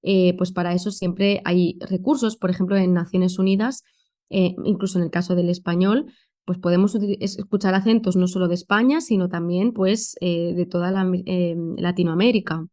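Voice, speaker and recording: This conference interpreter from Spain speaks with a Madrid accent and answers a podcast interviewer thoughtfully, with lots of fillers. Her voice is fairly low and mellow, and she keeps a steady tone at a moderate pace.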